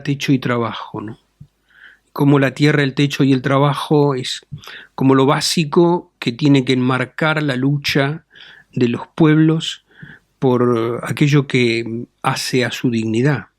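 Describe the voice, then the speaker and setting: A middle-aged Catholic bishop, appearing as an interview guest, gives measured answers in a calm, deliberate manner, often closing phrases with a questioning tag. His voice is at an ordinary pitch, recorded close and dry.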